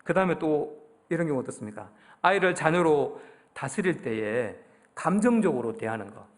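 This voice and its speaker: A middle-aged pastor with a Daegu Gyeongsang Korean accent preaches a conversational sermon in a church sanctuary, frequently posing questions to his congregation. His voice is slightly high, with wide pitch swings and a moderate pace.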